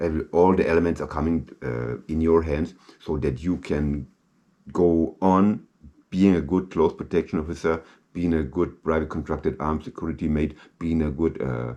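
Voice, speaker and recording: A man with a German accent, very deep, low pitch, vocal fry, a dark, mellow tone and ordinary pitch variation. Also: moderate pace. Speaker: former legionnaire and security contractor. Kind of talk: casual monologue. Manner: halting, many fillers.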